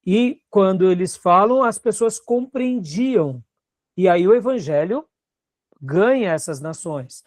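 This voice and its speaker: With a high-pitched, slightly mellow voice and a clean studio recording free of room sound, a Brazilian Portuguese-accented pastor teaches a seminary Bible class. He keeps things conversational and regularly checks on his students.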